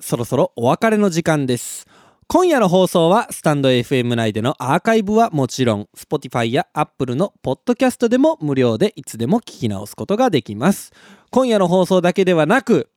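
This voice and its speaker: A young man with a Kansai accent, hosting a live radio show and telling stories in a casual, animated way. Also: on the high side, dry recording, studio quality. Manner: animated storytelling, laughs at his own story.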